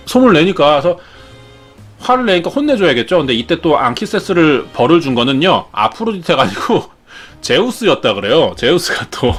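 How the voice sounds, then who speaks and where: Animated, chatty male storyteller. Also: medium pitch. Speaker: storyteller host. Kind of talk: casual storytelling.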